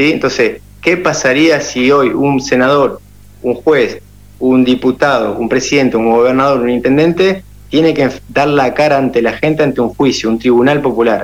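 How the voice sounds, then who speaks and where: This man has a normal speaking voice, fairly high in pitch, moving at a moderate pace with fairly even intonation and very even loudness. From Argentina, Entre Ríos (Paraná). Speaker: political activist and therapist. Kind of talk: radio interview.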